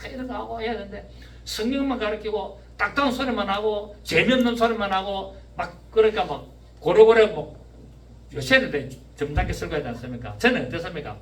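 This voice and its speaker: A pastor in his fifties with a Gyeongsang accent, preaching a sermon, often shouting and firing questions at his congregation. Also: high-pitched, a little fast. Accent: Gyeongsang Korean. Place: church sanctuary. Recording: echoey church room, mic at a distance.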